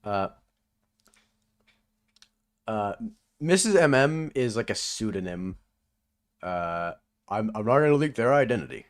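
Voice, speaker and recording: A young man casually commentating over his own video, laughing often, swearing and now and then yelping loudly. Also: lowish voice, sing-song, unhurried, pauses often. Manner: laughs often, swears, bursts into loud yelps. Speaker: video essay creator doing live commentary.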